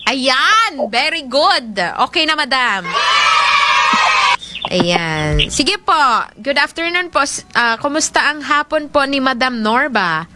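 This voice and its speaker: A woman's voice: high voice, sing-song, takes it slowly, very noisy. A woman hosting a call-in radio show, chatty and playful as she reads out listener greetings. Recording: music bed playing loudly behind.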